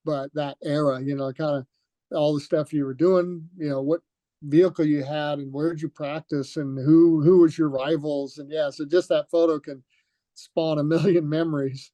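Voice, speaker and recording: A man's voice: a little high, steady tone, moderate pace, mellow, dry recording. An older man, a retired racer, telling stories from his career in a loose, rambling interview with many fillers and restarts. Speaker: retired motocross racer, guest. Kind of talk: relaxed reminiscing in an interview.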